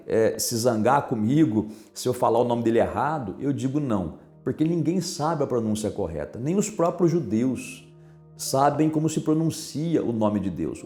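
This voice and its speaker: Lively-voiced pastor preaching over soft music. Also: male voice, medium pitch. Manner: asks listeners direct questions. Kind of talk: sermon. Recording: echoey room with soft music.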